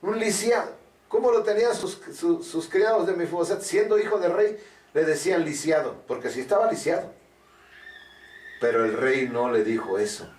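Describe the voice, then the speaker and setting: A man's voice: fairly high pitch, normal speed, a little mellow. A man preaching a sermon with fervent, repetitive emphasis, calling on the congregation to repeat after him. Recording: echoey room, distant mic, faint music.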